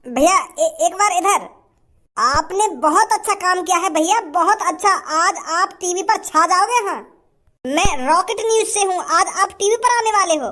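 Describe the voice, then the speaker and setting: An eager, flattering TV reporter, voiced by a woman in a comedy skit. The voice is very high and sounds a little distant. He sounds keen and fawning. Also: unhurried, full character voice. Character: eager male TV news reporter.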